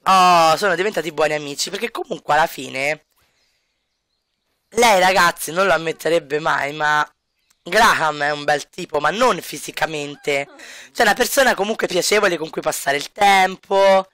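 A man chats casually to his viewers while he plays, dropping wry, joking asides. His voice is high and bright. It is recorded dry and close to the mic. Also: moderate pace, dry recording. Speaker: let's play commentator. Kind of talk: casual game commentary to viewers.

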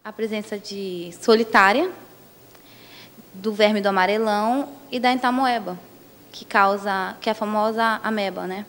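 A woman's voice: medium pitch, steady tone, moderate pace, a bit bright. Female biomedic in interview, explaining, reverberant room. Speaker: biomedical researcher.

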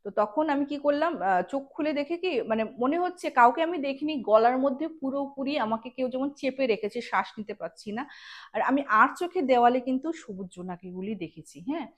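A frightened family man, as a woman storyteller puts him on, recounting a terrible night. The voice is fairly high and quick, urgent and halting, repeating itself as in a spoken ghost story. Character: shaken husband and father recounting a frightening night.

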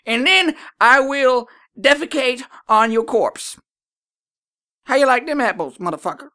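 A woman's voice: high voice, lively intonation, unhurried, bright, forceful tone, heavily acted. A woman voicing a cranky, threatening old neighbour in a comedic demo. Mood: angry.

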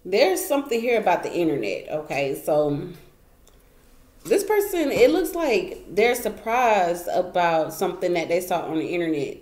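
Woman, casual tarot reader, low-ish voice, emphatic and repetitive; roomy echo, light background noise. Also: very animated, normal speed, darkish tone. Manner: chatty, emphatic, repeats phrases, laughs often. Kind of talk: casual tarot card reading. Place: indoor room at a wooden table. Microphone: camera pointed down at the table, speaker off frame. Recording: echoey room, faint noise.

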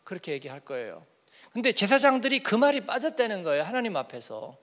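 A man's voice: high-pitched, sing-song, fast talker, fairly bright tone. A man preaching an early-morning church sermon in a conversational way, asking the congregation questions and acting out little everyday exchanges. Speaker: pastor.

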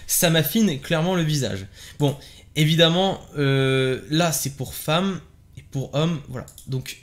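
A man giving a casual, enthusiastic product review from his home desk, chatting with lots of little fillers. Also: fairly high pitch. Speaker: tech reviewer. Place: home desk setup with LED lights behind him.

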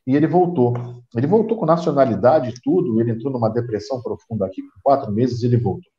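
A man's voice: medium pitch, fast talker, warm tone. A middle-aged Brazilian man on a video call, explaining at length with frequent restarts. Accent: Brazilian Portuguese. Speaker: guest. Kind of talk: casual chat on a video call. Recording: roomy, dull video call audio.

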